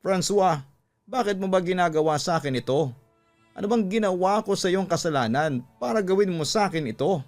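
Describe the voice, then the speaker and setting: Man acting a high-pitched, furious betrayed spouse. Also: animated, brisk. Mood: furious, hurt. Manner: emphatic, accusatory, pleading outbursts. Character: furious, hurt betrayed spouse confronting a cheater. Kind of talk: dramatized radio story dialogue. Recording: music under the voice.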